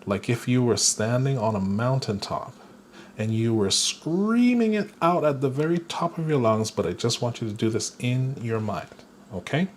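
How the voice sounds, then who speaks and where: A man giving a guided spiritual lesson, talking slowly and deliberately and chuckling now and then. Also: medium pitch, slight background noise. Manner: slow, deliberate, with playful chuckles. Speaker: spiritual teacher.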